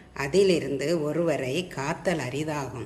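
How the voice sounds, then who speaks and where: A woman is heard amid noticeable background noise, with audible room echo around her voice. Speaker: Tamil teacher. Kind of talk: reading aloud. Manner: clear.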